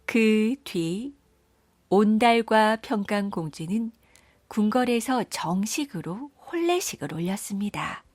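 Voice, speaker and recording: Gentle woman telling folktales. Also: mid-range voice, lively intonation, no room sound. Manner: gentle, measured storytelling. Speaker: storyteller. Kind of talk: storybook narration.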